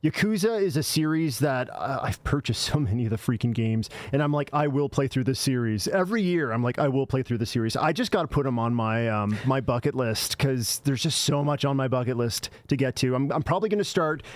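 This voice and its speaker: A man co-hosting a casual livestream, jumping in with quick enthusiastic remarks. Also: medium pitch, lively intonation, no echo. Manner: quick eager interjections, enthusiastic. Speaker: co-host.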